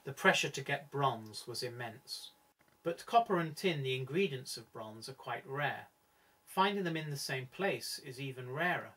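A middle-aged man presenting scripted documentary-style narration in a measured, formal and deliberate way. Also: medium pitch, lively intonation, sharp tone. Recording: slightly distant microphone.

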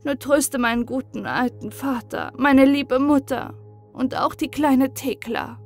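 A woman's voice: sits high, measured pace, soft background music, voice pushed up. A woman doing a pleading young boy. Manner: pleading, tearful prayer. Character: frightened young boy praying, pious and gentle. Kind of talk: audiobook reading.

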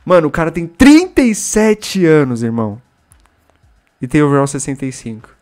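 A young man with a Brazilian Portuguese accent, giving slangy live commentary on a game stream, chatting with viewers and erupting into shouts. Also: a little high, big pitch swings, moderate pace.

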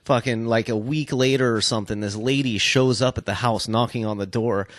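A man's voice: medium pitch, steady tone, a little fast, no echo. Casual man spinning stories, close dry sound. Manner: rambling, peppered with "like" and swearing. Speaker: podcast co-host telling stories. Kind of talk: casual profane storytelling chat.

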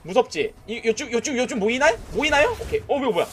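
Very high-pitched and quick, a man streams a mobile game with a bit of background noise around him. He commentates live, cheering and shouting at enemies, trash-talking with plenty of "nice" and "that's it."

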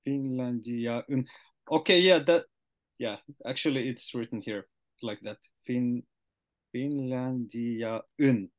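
A young man with a Finnish accent, a native Finnish speaker, hosting a casual interview over a video call and slowly trying out new words. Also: mid-range voice, muffled recording. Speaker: podcast host. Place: small room indoors.

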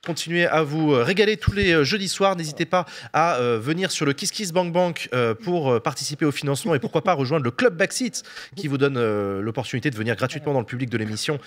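A man hosting a political talk show in a studio, lively and pausing often on fillers. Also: a little high. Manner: lively, many filler pauses. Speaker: host. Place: TV-style studio set with audience.

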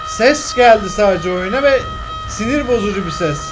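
Excitable young man narrating gameplay. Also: sits high, normal speed, over music, rough recording. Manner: excitable, exclaims and mutters to himself while playing. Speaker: gameplay commentator. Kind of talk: casual let's-play commentary.

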